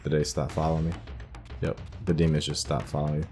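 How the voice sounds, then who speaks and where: A gaming channel host with a very deep, monotone voice talks at a quick pace over background music. He's doing a casual let's-play, musing aloud about the story as he plays.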